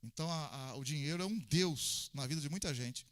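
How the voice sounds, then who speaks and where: A middle-aged male pastor with a Minas Gerais Brazilian accent, preaching a Sunday sermon in church, animated and full of rhetorical questions. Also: a little high, brisk, no room sound. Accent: Brazilian Portuguese, Minas Gerais. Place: church sanctuary.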